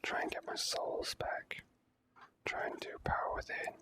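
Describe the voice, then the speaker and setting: A person whispering softly in an ASMR style while commentating on a video game, speaking in halting phrases with pauses. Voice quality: soft unvoiced whisper. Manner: slow, halting delivery with pauses. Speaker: let's play host.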